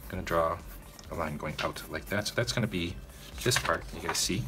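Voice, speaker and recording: Man, low voice, casual drawing tutorial host, talks to viewers, soft music behind. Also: a little fast. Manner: casual, addresses viewers directly, frequent "okay?" check-ins. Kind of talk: narrated step-by-step drawing tutorial.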